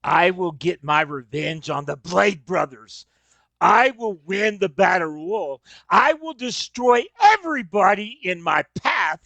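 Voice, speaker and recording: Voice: mid-range voice, lively intonation, measured pace, gravelly, a bit bright, no echo. A performer playing a vengeful, frustrated wrestler prince in a staged reading, declaring boasts and threats. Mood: angry.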